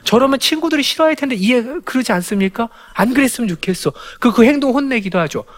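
A man giving a lecture to parents on raising children, animated and full of rhetorical questions. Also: very high-pitched, quick pace. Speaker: parenting educator.

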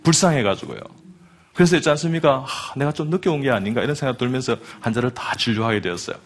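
A man in his fifties gives a preacherly testimony in a broadcast studio with an audience. He speaks with fervent emphasis, turning again and again to the listeners. His voice sits at an ordinary middle pitch for a man. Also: lively intonation, fast talker. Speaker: doctor giving a Christian testimony.

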